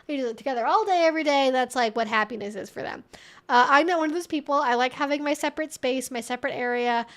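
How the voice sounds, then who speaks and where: High-voiced woman giving chatty advice. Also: quick pace. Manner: chatty and informal, rambling with frequent asides. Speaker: livestream host and relationship educator answering viewer questions. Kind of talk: casual, conversational Q&A advice.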